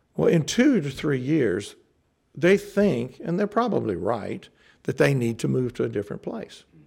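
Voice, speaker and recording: With a Memphis accent, a man talks at a moderate pace and a fairly high pitch, his pitch swinging very widely and his voice showing vocal fry. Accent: Southern US (Memphis). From Memphis, Tennessee. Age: 60s. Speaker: retired logistics company founder. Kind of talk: interview. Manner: halting.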